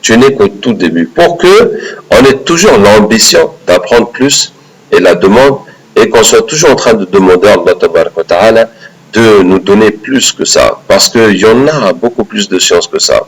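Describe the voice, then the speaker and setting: A man teaching a religious lesson, animated and often checking in with his listeners. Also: fairly low pitch, moderate pace, low-quality recording. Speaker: Quran teacher.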